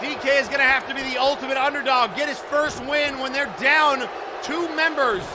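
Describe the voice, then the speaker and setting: High-pitched shouting male wrestling commentator over crowd. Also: normal speed. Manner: excited shouting, exclaiming at the action and the referee. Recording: noisy event audio with loud crowd. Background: crowd noise and slamming thuds.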